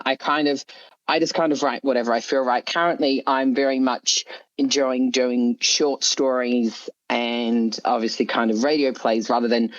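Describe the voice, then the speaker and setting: A man being interviewed as a writer, chatting casually and thinking aloud with frequent asides, on a slightly lo-fi recording. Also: mid-range voice. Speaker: guest author being interviewed. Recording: dull, lo-fi voice recording.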